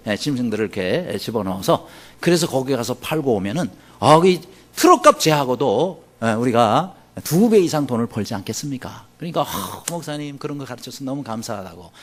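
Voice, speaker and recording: A man preaching a sermon, telling a story with lively acted-out dialogue. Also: mid-range voice. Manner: animated storyteller acting out quoted dialogue. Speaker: pastor.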